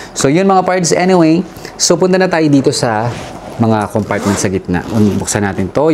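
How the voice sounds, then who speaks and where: Noticeable background noise sits under a man speaking at a moderate pace. His fairly high pitch swings very widely. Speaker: travel and unboxing vlogger. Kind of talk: unboxing vlog. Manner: casual, conversational Taglish.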